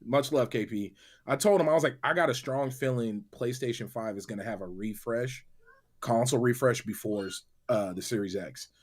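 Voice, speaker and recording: A man's voice: mid-range voice, moderate pace. A man in a casual gaming podcast chat, emphatic and slangy, often repeating phrases for emphasis. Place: online group call from separate rooms.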